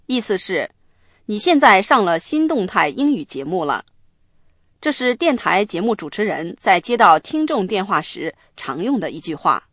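Female lesson host; clear, careful instruction, dry studio sound. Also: mid-range voice, sing-song, moderate pace, a bit bright, no room sound. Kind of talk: explaining English to Chinese learners.

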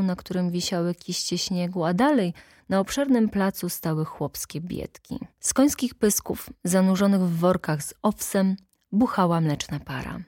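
A woman reading a literary story in measured, scripted narration. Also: fairly low pitch, mellow, dry recording, clean studio sound. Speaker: audiobook reader.

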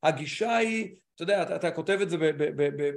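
A man who is a mental coach, speaking as a guest in a casual video-call conversation, animated and stop-start with many restarts. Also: a little high, creaky.

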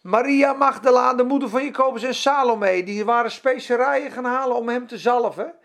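Male preacher with a high, rough-edged voice; fervent, chatty sermon delivery. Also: brisk, fairly bright tone. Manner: fervent, conversational storytelling with asides.

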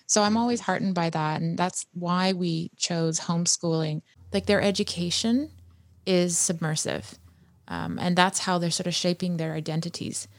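A woman whose first language is Farsi talks thoughtfully as a guest, pausing often on ums and you-knows. Her voice sits a little low. The sound is dry and close. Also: fairly even intonation, no echo. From Iran. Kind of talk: casual conversation.

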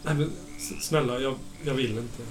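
A man's voice: medium pitch, fairly even intonation, lightly acted. A man voicing a frightened young woman who pleads with her abductor, in his own voice. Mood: pleading. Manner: pleading, protesting, talking in own voice. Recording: roomy with background noise.

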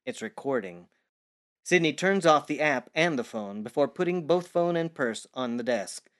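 Male narrator for scripted audio drama, medium pitch, reading scene action in present tense. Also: expressive, normal speed.

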